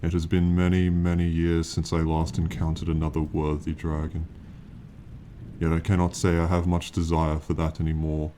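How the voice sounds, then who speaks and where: Man voicing an extremely deep, ancient dragon. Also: completely flat delivery, mellow. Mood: detached, solemn. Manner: slow, solemn, archaic, condescending speech to a mortal. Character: ancient, proud, aloof male dragon companion. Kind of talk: fantasy ASMR roleplay monologue. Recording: faint rain noise behind. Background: rainfall ambience.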